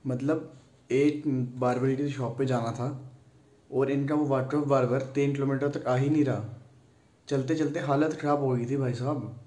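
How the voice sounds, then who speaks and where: A man's voice: medium pitch, fairly even intonation, normal speed, mellow. A man, chatting casually to a phone at arm's length as a travel vlogger. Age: 20s. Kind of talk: casual travel vlog chat. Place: plain rooms, rooftop, streets and shops.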